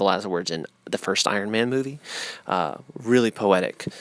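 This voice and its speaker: With a fairly low pitch, a man speaks at a moderate pace. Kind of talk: casual movie review to camera.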